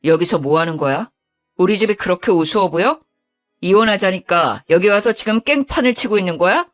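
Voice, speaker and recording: A woman voicing an angry young husband who scolds bluntly in a lowered voice. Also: animated, a little fast, faint music behind, close to an everyday voice.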